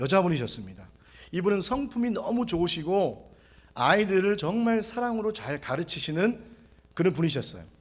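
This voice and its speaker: Audible room echo surrounds a man speaking at a moderate pace. His voice is high in pitch with lively intonation. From South Korea, Gyeongsang countryside then Seoul. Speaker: pastor. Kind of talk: sermon. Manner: halting, many fillers.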